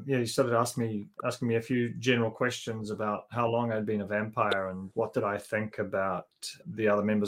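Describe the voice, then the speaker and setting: A man on a panel, an actor telling easygoing stories from a film shoot with frequent chuckles. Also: fairly low pitch. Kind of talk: anecdotal panel storytelling.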